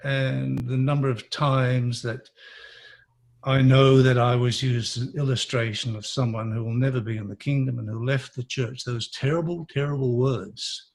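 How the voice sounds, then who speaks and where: A man who grew up in Malaysia, a guest in an interview, telling personal stories in a reflective, earnest, measured way. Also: mid-range voice, fairly even intonation, vocal fry, a little mellow.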